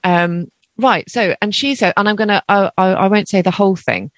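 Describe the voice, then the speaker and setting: A woman's voice: mid-range voice, moderate pace, no room sound. Chatty woman podcast host. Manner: chatty, laughs often, reads listener email aloud. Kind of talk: casual chat.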